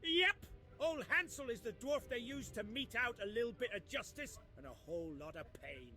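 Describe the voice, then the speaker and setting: A man putting on a high, boastful dwarf enforcer. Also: lively intonation, moderate pace, bright, forceful tone, faint music behind, heavily acted.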